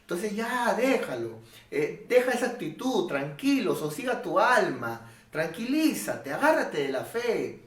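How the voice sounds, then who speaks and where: A male pastor preaching a sermon in an animated, rhetorical way, often asking his listeners "¿no es cierto?". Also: high-pitched, unhurried, distant mic. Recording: echoey room, voice off-mic.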